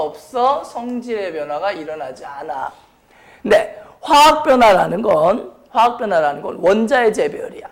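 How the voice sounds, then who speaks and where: A man with a strained, sore throat lecturing as a science teacher, blunt and informal, often putting questions to the class. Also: sits high. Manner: question-and-answer delivery, repeatedly prompting students; blunt, informal speech to students. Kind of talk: high school chemistry lecture.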